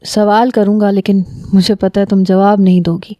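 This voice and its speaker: A woman voicing a smooth-talking young man who calmly asks probing, personal questions. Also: medium pitch, no room sound, clean studio sound, natural voice.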